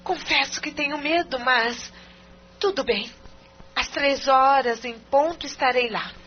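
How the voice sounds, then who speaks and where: A woman's voice: high-pitched, unhurried. A woman playing an anxious, hesitant wife. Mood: worried. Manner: hesitant, worried. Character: anxious young wife, fearful of her jealous husband. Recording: dull lo-fi radio recording with hum.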